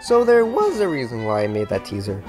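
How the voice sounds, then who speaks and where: A young man talks to camera as a comedic YouTube host. His pitch jumps around a lot, with exaggerated, mock-dramatic asides. Soft music plays faintly behind him. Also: huge pitch swings, fairly quick. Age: young adult. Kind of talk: comedic scripted commentary to camera. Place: indoor room with bare wall.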